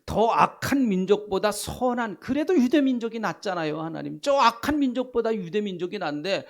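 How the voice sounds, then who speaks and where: A man's voice: on the high side, animated, measured pace, creaky, mellow, slightly rough, voice pushed down, full character voice. A man voicing the prophet Habakkuk, pleading with God in an urgent, indignant way. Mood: protesting.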